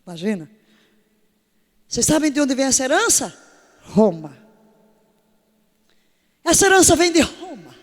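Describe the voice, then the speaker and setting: A woman's voice: high-pitched, sing-song, a little slow, long pauses, long reverb tail. A woman preaching a sermon to her congregation in an emphatic way, full of rhetorical questions. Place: church service.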